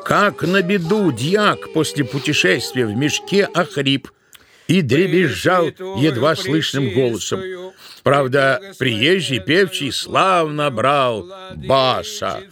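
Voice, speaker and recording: A man narrating a literary tale for an audio play, expressively, with drawn-out emphatic words. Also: medium pitch, animated, crowd noise.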